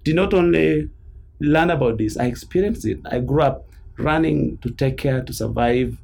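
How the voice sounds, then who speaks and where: A man's voice: medium pitch, normal speed, vocal fry, a little mellow, slight background noise. A man from northern Uganda, answering interview questions in an earnest, emphatic storytelling way. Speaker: guest, peace activist.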